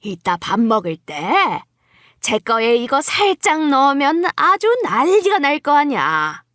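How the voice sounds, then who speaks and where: A woman's voice: high-pitched, very animated, takes it slowly, fairly bright tone, no room sound, studio quality, full character voice. A woman playing a scheming, self-righteous older mother-in-law in a dramatized story, scolding and accusing. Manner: accusatory, haranguing.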